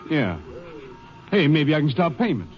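Animated, aggrieved cattle buyer. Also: male voice, on the high side, normal speed. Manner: plain-spoken, folksy. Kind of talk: 1950s radio western acting. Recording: dull old radio recording with music.

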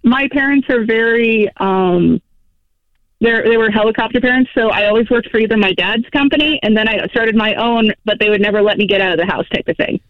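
A woman in her twenties from Florida, calling in over the phone and speaking in a hesitant, halting way. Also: a little high, no echo. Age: 20s. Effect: over the phone line. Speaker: caller. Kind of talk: call-in advice talk. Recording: tinny dry phone line.

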